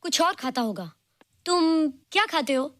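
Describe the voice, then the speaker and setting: An actress playing a calm, thoughtful young woman who explains things patiently in a film scene. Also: high-pitched, unhurried. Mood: explaining. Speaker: friend. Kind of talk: Bollywood film acting. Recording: film soundtrack with loud music. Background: film score music.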